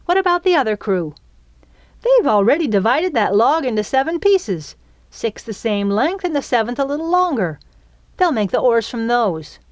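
An excitable young girl from a storybook, played by a woman, gushes with enthusiasm. Her voice is high and leaps around in pitch. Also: moderate pace, no echo. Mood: eager. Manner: over-enthusiastic, gushing.

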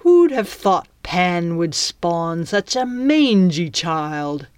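A woman's voice: fairly low pitch, expressive, slow pace, dry recording, studio quality. A woman voicing a menacing male pirate captain in an audiobook, with a commanding, taunting, theatrical manner. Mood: quiet menace.

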